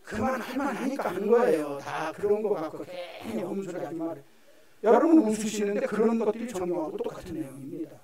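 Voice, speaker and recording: Pastor, male, high voice, emphatic sermon, heavy church echo from a distant mic. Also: expressive, fast, darkish tone. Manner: emphatic, repeats phrases, calls out to the congregation. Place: church sanctuary. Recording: echoey hall from far off.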